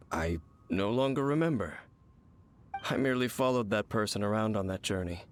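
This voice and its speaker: An actor playing a weary, mysterious male wanderer in a video game, speaking in a measured, stoic, formal way. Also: fairly low pitch, animated, a little hiss or hum. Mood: calm, guarded. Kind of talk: video game character acting. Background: music.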